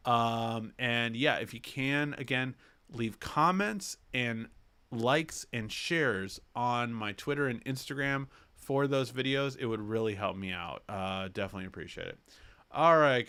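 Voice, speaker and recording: A man's voice: medium pitch, normal speed, pushed and bright, clean tone. A young man hosting a casual tech livestream, reading viewer questions aloud and answering them with lots of fillers and restarts, his nose a little stuffy. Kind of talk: casual live Q&A chat.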